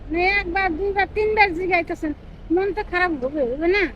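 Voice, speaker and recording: A woman's voice: extremely high pitch, fairly quick, lo-fi sound. An older woman from Bangladesh who collects scraps, speaking in a plaintive, sorrowful way outdoors. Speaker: waste picker. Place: outdoors on a city street.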